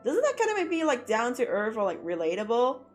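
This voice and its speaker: A woman's voice: on the high side, huge pitch swings, fairly quick. Young woman, sore throat, rambling filler-heavy chat, faint music behind. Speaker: VTuber art streamer. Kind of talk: casual stream chat while drawing.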